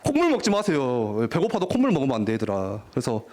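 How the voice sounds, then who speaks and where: Animated young male youth preacher. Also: mid-range voice, fast. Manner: animated, jokey, acts out teen voices. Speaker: youth pastor. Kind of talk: lively youth sermon. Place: church worship hall.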